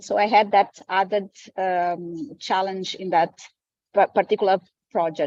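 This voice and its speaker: In a Portuguese accent, the speaker comes through with a dry, close sound and no echo. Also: woman. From Mozambique. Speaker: literary translator. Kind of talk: panel discussion.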